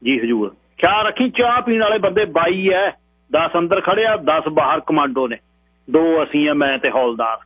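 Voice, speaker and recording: A man's voice: on the high side, lively intonation, normal speed, no echo, voice pushed up. A man voicing a stern, menacing police inspector who barks orders, heard over a tinny radio broadcast with a hum. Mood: commanding. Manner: bossy, menacing, orders people about. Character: stern middle-aged male police inspector.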